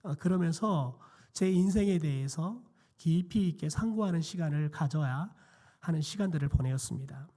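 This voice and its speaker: A middle-aged man, a pastor, preaching a quiet sermon in a church with a hoarse, nearly lost voice and many hesitant fillers. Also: fairly high pitch, moderate pace. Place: church sanctuary.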